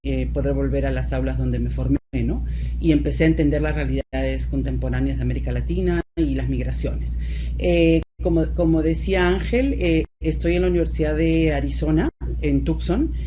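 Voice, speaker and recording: A middle-aged woman with a Peruvian Spanish accent, a university professor giving an academic presentation over a video call, pausing often with fillers and restarting her sentences. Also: sits low, background noise. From Peru. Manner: hesitant, many fillers and restarts.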